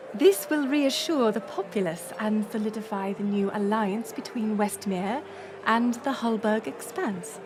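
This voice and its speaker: A woman playing a gracious, resolute middle-aged queen in an audio roleplay, speaking in formal, stately, measured phrases. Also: fairly high pitch, noisy background, lightly acted. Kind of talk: scripted audio roleplay acting.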